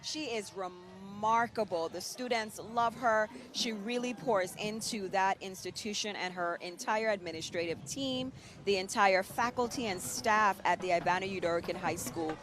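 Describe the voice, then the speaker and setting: A woman's voice: mid-range voice, normal speed, noisy background. Woman, live parade commentary, upbeat chat, celebratory, effusive praise. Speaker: parade broadcast co-host.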